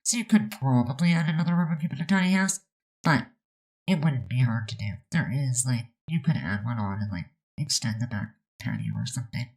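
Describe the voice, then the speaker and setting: This Sims builder has a bass voice with a darkish tone, speaking fairly quickly and with lively intonation. She chats casually over her speed build video, rambling and using lots of fillers, congested and on the verge of a sneeze.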